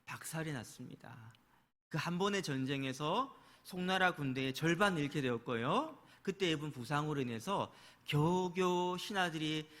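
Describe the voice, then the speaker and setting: A man in the pulpit, his voice sitting fairly high. He preaches as pastor, retelling a story and playing its characters in quoted lines. He keeps turning to the congregation with rhetorical questions. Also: a bit bright. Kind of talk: sermon.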